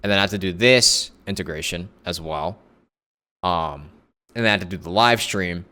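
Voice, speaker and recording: This live streamer and content creator has a deep, clear voice, talking at a normal speed with a pushed, bright quality. He rambles through casual chat with viewers, thinking out loud and correcting himself over background music.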